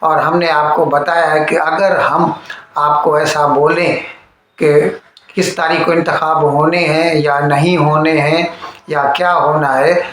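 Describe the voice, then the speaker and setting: A man's voice: a little high, flat delivery, slow pace, a bit bright. A man with a South Asian accent giving news commentary, explaining conversationally to viewers and mixing in English terms. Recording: very echoey room, faint background noise.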